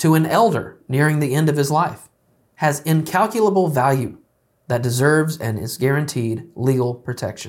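A man with an American accent uses an ordinary speaking voice at a fairly high pitch. He keeps a moderate pace in a very clean recording with a silent background. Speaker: podcast host. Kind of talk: news commentary monologue. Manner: opinionated, conversational.

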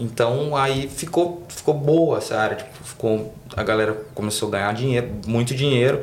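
The voice moves at a moderate pace with ordinary pitch variation. Noticeable background noise and audible room echo are present. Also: man. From interior of São Paulo state, Brazil. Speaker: pagode musician. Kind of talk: casual chat.

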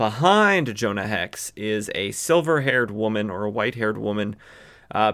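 Lively intonation in a natural reading voice

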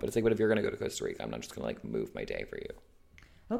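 A man does a raspy, put-on character voice at a very fast pace. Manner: angry, annoyed.

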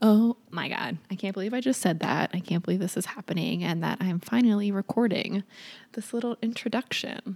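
A woman speaks with an American accent at a fairly quick pace, her medium pitch showing ordinary variation. The recording is very clean with a silent background and a dry, close sound with no echo. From US Northeast, Philadelphia area. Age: 20s. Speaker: podcast host. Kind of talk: casual monologue introduction.

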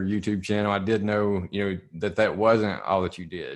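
Against a quiet background, a man speaks in a Southern US accent at a moderate pace. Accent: Southern US (Georgia). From US South. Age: 40s. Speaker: podcast host. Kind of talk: casual chat.

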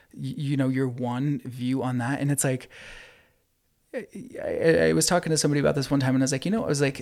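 In an American accent, a man talks at a fairly quick pace with a fairly high pitch, ordinary pitch variation, and an unremarkable speaking voice. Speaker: podcast guest. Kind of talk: casual chat.

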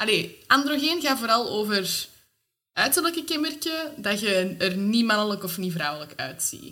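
A woman with a Flemish accent has a bright, sharp tone and a fairly high pitch that swings very widely. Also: moderate pace. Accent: Flemish Dutch. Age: 20s. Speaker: social work student and youth volunteer. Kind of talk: casual explanatory interview.

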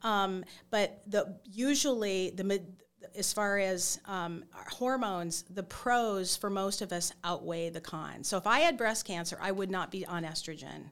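A normal speaking voice comes through in an American accent at a fairly slow pace. The recording is very clean with a silent background. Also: woman, medium pitch for a woman, ordinary pitch variation. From US Upper Midwest (Minnesota/North Dakota). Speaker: gynecologist. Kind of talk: casual interview.

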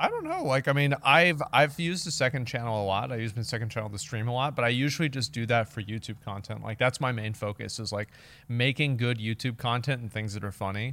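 Bright and sharp in tone, a man with an American accent talks at a very fast pace with hardly any pauses. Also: medium pitch for a man, ordinary pitch variation. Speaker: podcast co-host. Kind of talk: casual chat.

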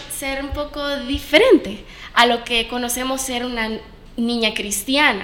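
Speaking with a Salvadoran accent, a woman with a high pitch and ordinary pitch variation talks at a fairly slow pace amid audible room echo and noticeable background noise. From western El Salvador (Ahuachapán). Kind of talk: casual faith-based chat.

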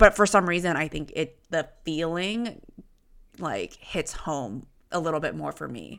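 A woman's fairly low, vocal-fry voice with a General American accent, at a fairly slow pace, with lively intonation and big swings in loudness, in a very clean recording with a silent background. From United States. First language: Mandarin Chinese. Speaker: podcast host and startup co-founder. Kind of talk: casual chat.

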